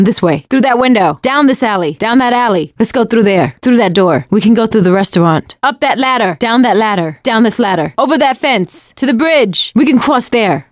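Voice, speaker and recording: A woman playing a sassy, expressive young survivor of a zombie outbreak in a video game, in short wry barks. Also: fairly high pitch, no room sound, studio quality, natural voice. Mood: brisk, urgent.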